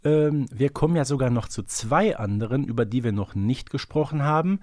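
A man's voice: medium pitch, lively intonation, fairly quick, darkish tone, dry recording. A man with a mid-range voice talks as a podcast co-host in a very dry recording. He explains things casually and analytically, thinking aloud as he goes. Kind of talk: casual analytical discussion of an audio drama series.

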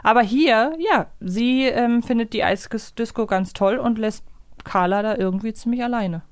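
A woman's voice: a little high, moderate pace, no echo. A woman co-hosting a podcast, discussing a favourite story casually and analytically. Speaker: podcast co-host.

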